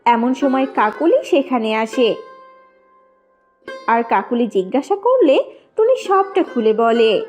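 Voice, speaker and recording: A woman's voice: fairly high pitch, lively intonation, slow, pauses often, a little mellow, dull audio, faint music behind. A woman narrating a scripted children's story as the storyteller.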